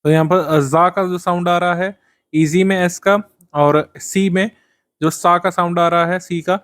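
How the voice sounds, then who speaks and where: A male teacher with a slightly high-pitched voice runs an exam-prep vocabulary class. He reads definitions slowly. He then explains them in Hindi, with frequent "uh" fillers. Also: steady tone, a bit bright.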